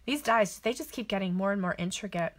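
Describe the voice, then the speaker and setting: A woman's voice: mid-range voice, fairly quick. Woman, middle-aged, papercraft demonstrator, casual catalog walk-through, chatty, gushing. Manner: chatty and gushing, thinks aloud.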